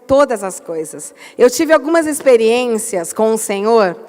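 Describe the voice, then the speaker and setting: A woman pastor giving an animated church talk, telling stories with emphatic outbursts. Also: a little high, a little slow, long reverb tail.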